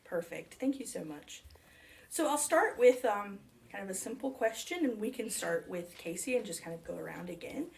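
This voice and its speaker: A woman's voice: mid-range voice, lively intonation, normal speed, creaky, a little mellow. A woman working as a librarian, asking questions in an oral history interview in a library.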